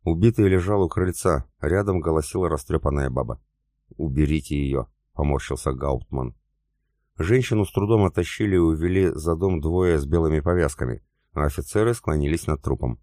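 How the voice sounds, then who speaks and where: A man narrating a war novel as an audiobook in an even, steady reading. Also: rumbling low, brisk, no echo, studio quality.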